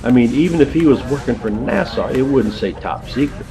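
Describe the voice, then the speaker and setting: Male actor as an audio drama investigator, medium pitch, conversational, explanatory, wry, music underneath. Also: lively intonation, a little fast, close to an everyday voice. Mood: wry, intrigued. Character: male investigator briefing a colleague, wry and impressed.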